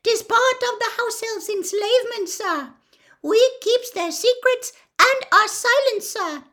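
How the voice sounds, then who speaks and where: A woman voicing a nervous, devoted male house-elf from a storybook, with a squeaky voice and servile third-person speech. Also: unhurried, pushed and bright, full character voice. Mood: earnest, serious.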